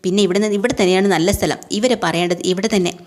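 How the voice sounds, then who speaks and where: A woman voicing a defiant, sharp-tongued young woman who mocks and scolds in a fast, everyday voice. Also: mid-range voice, natural voice. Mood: scornful. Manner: mocking, scolding.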